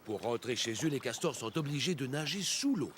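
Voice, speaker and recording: A man playing a kindly, playful older grandfather in a cartoon, gently explaining and encouraging. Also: mid-range voice, animated, fairly quick, very noisy, lightly acted. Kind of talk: French cartoon dubbing. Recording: music behind the voice.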